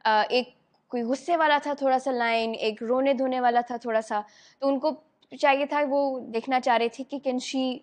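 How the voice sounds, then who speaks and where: A woman's voice: high voice, fairly even intonation, moderate pace. A young woman with a Pakistani accent, chatting in an interview as an actress guest, laughing often and slipping English into her talk. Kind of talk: casual interview chat.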